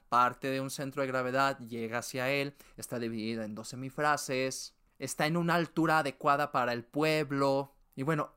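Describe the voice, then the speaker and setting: A speaker, teaching in a calm, orderly podcast style. Terms are laid out one by one and repeated for clarity. The pitch sits in a middle range. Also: clean tone. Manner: methodical, lists and repeats terms step by step. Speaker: podcast host teaching liturgical music. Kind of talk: educational podcast explanation.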